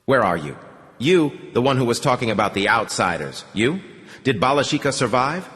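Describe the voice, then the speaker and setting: A man's voice: mid-range voice, very animated, normal speed, a bit bright, long reverb tail, voice pushed up. A man voicing a desperate, injured man who urgently demands answers as he searches for a prisoner. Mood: frantic pleading.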